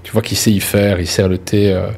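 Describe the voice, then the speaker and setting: A man's voice: fairly low pitch, little pitch movement, brisk, gravelly, darkish tone, breathy edge. A man narrating a tabletop roleplaying game as game master, improvising descriptions in casual speech. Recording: music playing under the voice.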